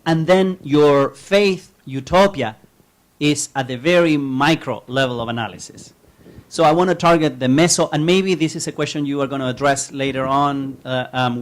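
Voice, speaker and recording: At an academic talk, a man from Chile poses a long question from the audience. His voice sits in the mid range, and he speaks in a measured way with frequent fillers.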